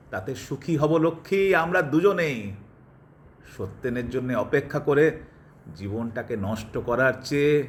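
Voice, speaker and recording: A man playing a cold, calculating doctor in an audio drama, pressing his love insistently and deliberately, with English phrases dropped in. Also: on the high side, bright, forceful tone, a little hiss or hum. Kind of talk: Bengali audio drama acting.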